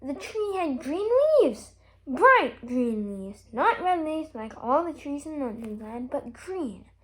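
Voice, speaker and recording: A woman reading a children's storybook aloud with expressive, emphatic delivery. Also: sits high, slow pace. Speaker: story reader.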